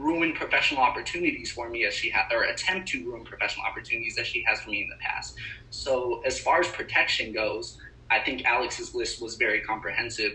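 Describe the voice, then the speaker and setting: A man rattles off his words at a very fast pace amid noticeable background noise. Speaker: current student activist. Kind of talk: heated debate.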